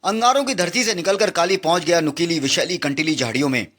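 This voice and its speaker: A man's voice: fairly high pitch, fast, fairly bright tone. A man reading a comic book aloud with dramatic, exclamatory narration.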